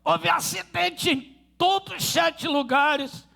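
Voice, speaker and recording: Fervent Rio pastor: very high, gravelly voice, sharp and forceful delivery. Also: male voice, slow pace. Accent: Rio de Janeiro Portuguese. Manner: fervent preaching, storytelling. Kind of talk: sermon.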